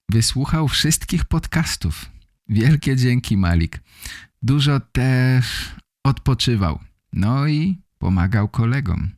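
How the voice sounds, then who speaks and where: A man hosting a language-learning podcast, speaking in simple, measured, appreciative sentences. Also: lowish voice, darkish tone, dry recording, studio quality. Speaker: podcast host for learners of Polish. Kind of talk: slow, simple scripted talk for language learners.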